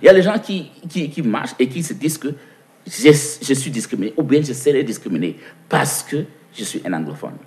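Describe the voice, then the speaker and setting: A man from Cameroon, an interview guest, talks fairly quickly in a medium-pitched, slightly mellow voice with lively intonation and an English-speaking Cameroonian accent. His answers run long; he often repeats words while searching and asks himself questions before answering.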